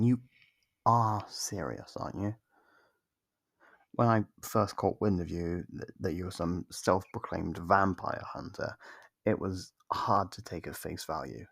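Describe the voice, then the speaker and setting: A performer voicing a teasing, condescending, possessive vampire in an ASMR roleplay, slow and smug with a husky voice. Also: sits low, dry recording, studio quality, full character voice. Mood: coolly skeptical.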